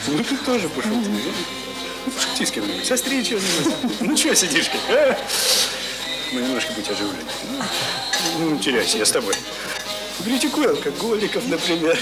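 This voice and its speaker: A man's voice: fairly high pitch, wildly swooping pitch, fairly quick, poor audio. An actor playing a cocky, slangy middle-aged man who teases and shows off in a Soviet radio drama. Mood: teasing, lively. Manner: colloquial, teasing, boastful. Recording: radio play with loud music and party crowd.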